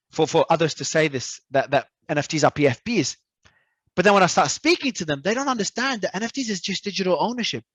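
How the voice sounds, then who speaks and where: A man from Australia, a guest talking in an animated, emphatic way and often repeating words as he restarts. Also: high voice, no echo. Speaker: crypto entrepreneur guest. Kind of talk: casual interview talk.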